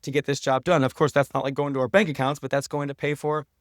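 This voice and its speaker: The professor and documentary maker, guesting on a podcast, talks fast with a flat delivery at medium pitch. Casual and earnest, he keeps adding "you know" and "like" to his interview answers. The studio sound is clean, with no room sound.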